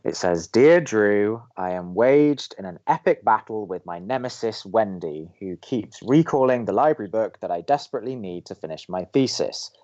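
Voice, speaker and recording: A male actor plays a grumpy young American student radio host in an audio drama. His voice sits low but moves expressively, sarcastic and exasperated in a deadpan way. The sound is a little muffled. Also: normal speed, few pauses, lightly acted. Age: young adult. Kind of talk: audio drama dialogue as banter.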